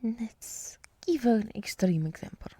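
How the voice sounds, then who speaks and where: A soft, slow-speaking deer woman, played by a woman in an ASMR roleplay. She half-whispers with a breathy, husky edge, close and dry. She is nurturing and encouraging, leaving soothing pauses between phrases. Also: on the high side, animated, no echo, exaggerated voice. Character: gentle, nurturing deer woman, encouraging forest monster girl.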